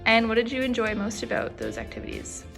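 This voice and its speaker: Fast, gravelly-voiced female interviewer. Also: a little high, very animated, a bit bright, soft background music. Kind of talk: interview questions.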